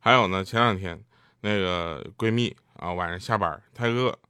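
A man doing a stand-up comedy set on stage, telling deadpan stories and acting out quotes. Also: low-pitched, moderate pace, clean tone, no echo, clean studio sound. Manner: deadpan storytelling with acted quotes. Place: stage with live audience.

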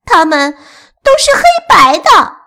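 A woman's voice: very high-pitched, very animated, a little slow, gravelly, bright, forceful tone, voice pushed up, full character voice. A woman voicing a whiny little black-and-white cat in a children's storybook, pleading and squealing.

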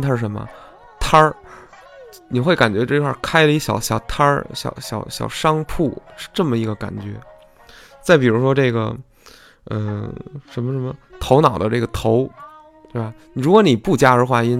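Man, gravelly voice, casual podcast host monologue, soft music underneath. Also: mid-range voice, normal speed. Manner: chatty, folksy, often asks "right?".

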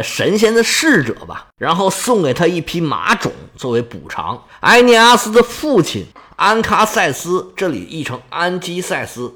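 A man's voice: on the high side, fairly bright tone. A man telling an epic tale in dramatic oral storytelling style, vivid and chatty with asides to listeners.

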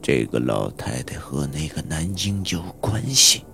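A man narrating a horror audiobook in a slow, suspenseful storytelling manner. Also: rumbling low, very animated, creaky, a bit bright. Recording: audiobook with background music.

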